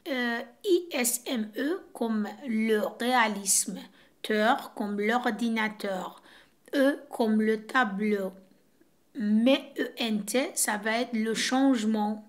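Brief: woman French teacher, slightly high voice, walks through examples on a board. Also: a bit bright. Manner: explains step by step, pointing to a board. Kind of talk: casual classroom explanation.

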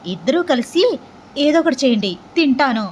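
A woman voicing a calm, sarcastic young man who needles his cousin in an audio story. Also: high voice, moderate pace, a little hiss or hum, voice pushed up. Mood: needling.

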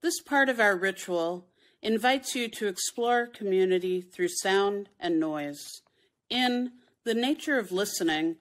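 A woman, a poet, reads written instructions aloud in a deliberate, instructive manner. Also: mid-range voice.

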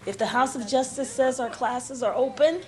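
A woman's voice: high voice, normal speed, darkish tone. A middle-aged woman explaining community work in an indoor interview. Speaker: local assembly member.

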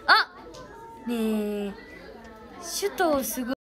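Bright high-voiced young woman. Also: big pitch swings, very slow, soft background music. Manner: chatty, thanks fans by name. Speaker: idol reading fan names. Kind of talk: casual livestream chat.

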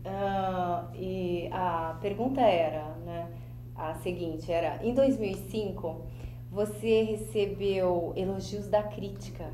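Brazilian-born woman interviewing, slow and hesitant, mellow tone. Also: on the low side, reverberant, slight background noise. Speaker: co-host interviewer. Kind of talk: studio interview. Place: small TV studio.

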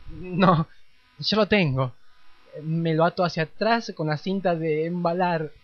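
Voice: medium pitch, measured pace, no room sound, lightly acted. An actor voicing a campy, eager trans amateur dancer in a parody radio play, effusive and confiding. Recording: dry, dull lo-fi audio.

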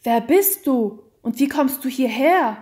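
A woman's voice: high voice, lively intonation, measured pace, darkish tone. A woman voicing an anguished, remorseful count in a storybook, in an impassioned, pleading, exclamatory manner. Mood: alarmed. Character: anguished, guilt-stricken count, adult man, horrified and remorseful. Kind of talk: dramatic storybook reading.

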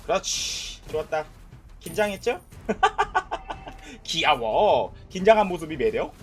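Excitable high-pitched young man gaming. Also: takes it slowly. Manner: excitable, trash-talking, narrating his own plays. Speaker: gaming YouTuber. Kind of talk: casual game commentary.

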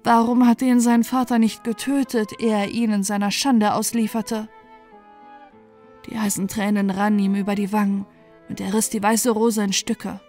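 A woman calmly reading a dark fairy tale aloud as a bedtime story, in a gentle, even manner. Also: medium pitch, normal speed. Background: soft background music.

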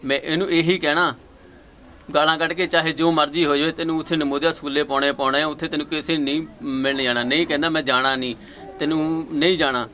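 A man's voice: on the high side, steady tone, fast, pushed and bright, slight background noise. A middle-aged Punjabi man telling his son's story in a conversational, repetitive way, often quoting himself and his son. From Punjab, India. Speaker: father of a young dancer. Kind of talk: recounting family story.

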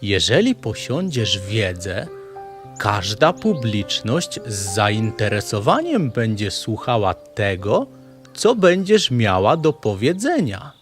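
A man's voice: on the low side, very animated, slow pace, faint music behind. A man voicing an enthusiastic, learned professor in a children's audio play, lecturing with great emphasis. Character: male professor animal, enthusiastic learned neighbour, pompous.

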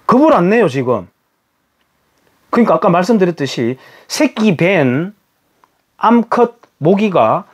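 A man talks alone in an emphatic, lecturing way. He keeps throwing rhetorical questions at his listeners. His slightly high voice leaps widely in pitch. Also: a little mellow, slightly rough. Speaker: commentator. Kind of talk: solo spoken commentary.

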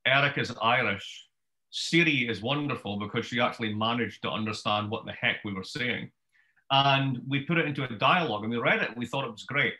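A Scottish man in his fifties giving a wry, brisk book talk over a video call from his home study. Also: mid-range voice, poor audio. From Scotland. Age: 50s. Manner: brisk, wry storyteller with lively gestures. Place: home study with bookshelves, indoors. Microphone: webcam video call.

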